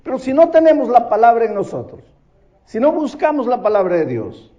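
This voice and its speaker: A male pastor preaching a sermon, animated, asking rhetorical questions and telling stories. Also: very high-pitched, fairly quick, lo-fi sound.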